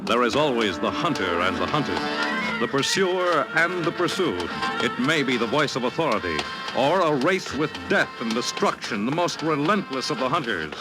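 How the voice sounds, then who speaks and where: Formal old-time radio announcer over music. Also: male voice, mid-range voice, sing-song, normal speed.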